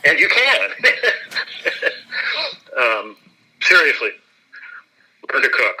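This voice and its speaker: A male actor speaks in an interview in a crisp, bright tone at a middling pitch. He is chatty and self-deprecating and laughs easily. His voice comes over a phone line. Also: huge pitch swings, extremely slow. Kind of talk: relaxed interview chat.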